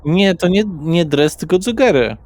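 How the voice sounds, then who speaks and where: A man's voice: on the high side, animated, moderate pace, a little mellow, voice pushed up, lightly acted. A man voicing a cocky, mouthy rich young slacker with a brash, taunting, sweary street manner. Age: young adult figure.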